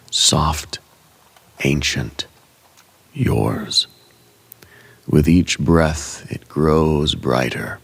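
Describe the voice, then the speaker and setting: A man narrating a guided meditation in an ASMR style, solemn and hushed, in short, deliberate phrases with a gravelly, breathy voice. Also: extremely low pitch. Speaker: host and narrator of a meditative radio show.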